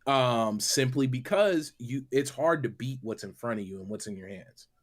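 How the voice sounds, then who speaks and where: A man's voice: medium pitch, expressive, moderate pace. A man talking casually and giving his opinions as a panelist on a gaming show.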